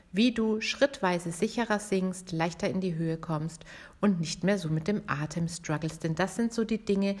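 A woman singing teacher guiding a vocal warm-up in a podcast lesson, calm and encouraging as she talks the listener through each exercise. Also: lowish voice. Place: podcast episode.

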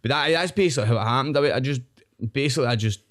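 A man speaks in a thick, broad Glaswegian Scottish accent at a very rapid clip. His pitch is average, and he rambles through casual stories full of slang, swearing and conversational tags. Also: fairly bright tone. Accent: broad Scottish, Glasgow. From Scotland. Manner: rambling, slangy, sweary, frequent "know what I mean". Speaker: online food reviewer, podcast guest. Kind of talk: casual chat, storytelling.

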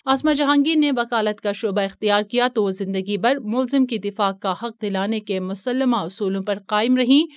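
A woman presenting a radio news program, reading a scripted report in a formal, measured way. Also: medium pitch, no room sound, clean studio sound. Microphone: studio microphone.

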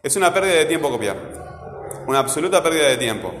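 A man's voice: fairly high pitch, very animated, quick pace, fairly bright tone. Emphatic male teacher with Rioplatense accent. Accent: Rioplatense Spanish. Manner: emphatic, repeats words, keeps asking "right?". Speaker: grammar teacher. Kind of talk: classroom lecture. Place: classroom. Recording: echoey room with long reverb, faint noise.

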